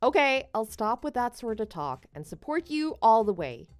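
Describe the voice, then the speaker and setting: A woman playing a devoted but slightly needy wife in a scripted online story drama, speaking in an expressive, conversational way. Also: on the high side, moderate pace, no room sound, faint music behind. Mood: pleading.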